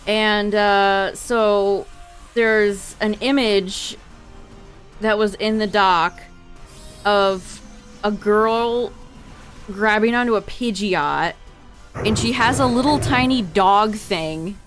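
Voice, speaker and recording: A woman's voice: mid-range voice, slow pace, pauses often, faint music behind. A young woman streamer who is losing her voice, chatting casually with her viewers and reading notes aloud with asides. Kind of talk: casual livestream chat to viewers.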